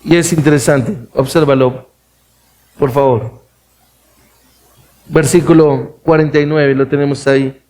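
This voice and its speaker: A man's voice: steady tone, a little slow, long pauses, a little mellow. A man preaching a sermon, speaking straight to his listeners with rhetorical questions and acting out pleading voices. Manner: acts out pleading voices, rising high for cries; addresses listeners directly, asks rhetorical questions. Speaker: pastor.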